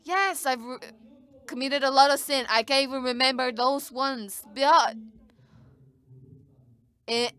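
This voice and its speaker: A woman's voice: sits high, slow pace, long pauses, a bit bright. A woman giving live interpretation of a sermon, speaking in short bursts with frequent restarts.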